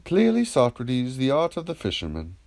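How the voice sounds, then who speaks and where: A man's voice: mid-range voice, huge pitch swings, normal speed, a little mellow. A man reading the part of a vain but agreeable reciter of epic poetry in a dramatised dialogue, answering with deference and assurance. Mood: agreeable, self-assured.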